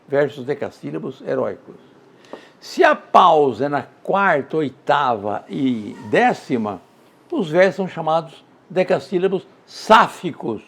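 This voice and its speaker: An older Brazilian man teaches a poetry lesson in an unhurried, deliberate way. His voice sits a little high for a man, and he draws out each verse he recites with feeling. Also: big pitch swings, creaky, a bit bright. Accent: Brazilian Portuguese. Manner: recites verses slowly and with feeling, stretching words.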